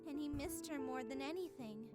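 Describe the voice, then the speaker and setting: A woman's voice: high-pitched, fairly quick, loud music behind the voice, natural voice. A woman playing a perky, boastful young female artificial intelligence with an anime girl avatar in a visual novel game, speaking in a chirpy, theatrical way. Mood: sad. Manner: theatrical, chirpy, self-satisfied.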